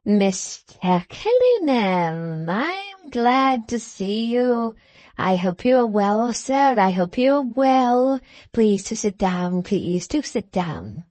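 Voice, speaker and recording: Woman acting a slow, sweetly bland old patriarch. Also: a little high, very animated, a little mellow, dry recording. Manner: slow, sweetly drawn-out, repeats phrases. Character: bland, benevolent, evasive old patriarch, smooth-mannered man.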